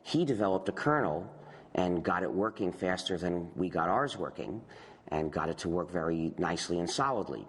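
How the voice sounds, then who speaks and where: Measured male interviewee, husky tone, reverberant room. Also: sits low, lively intonation. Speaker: interviewee, software project founder. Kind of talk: documentary interview.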